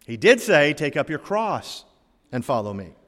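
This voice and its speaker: A man preaching a sermon as pastor, moving between emphatic exhortation and hushed prayer. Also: fairly high pitch, big pitch swings, moderate pace. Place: church sanctuary. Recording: long reverb of a church hall.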